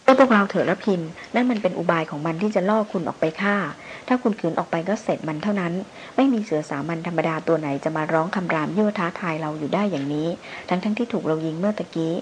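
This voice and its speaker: A woman's voice: fairly low pitch, fast, few pauses, slight background noise, lightly acted. An anxious man on an expedition voiced by a woman reading aloud, pleading and insistent. His tone is raised and strained, told as a storybook scene. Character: anxious adult male expedition member pleading. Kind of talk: audiobook character reading.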